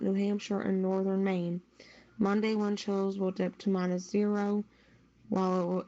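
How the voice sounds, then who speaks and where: A woman's voice: mid-range voice, mellow. A woman reading a scripted weather report as a news podcast's weather reporter. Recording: dull lo-fi sound.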